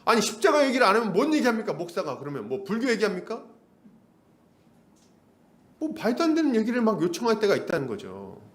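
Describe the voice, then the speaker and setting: A man's voice: sits high, fast talker, pauses often. Guy preaching a sermon, voice jumps up and down a lot, echoey church room. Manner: animated, acts out quoted complaints in raised voice. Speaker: pastor. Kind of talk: expository sermon. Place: church sanctuary.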